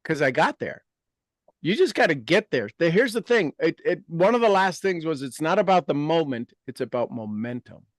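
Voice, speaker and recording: Man, 50s, motivational podcast host; slightly high, dry, emphatic, repeats himself. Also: sing-song, moderate pace, no echo. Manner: emphatic, repeats key phrases. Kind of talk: motivational casual talk.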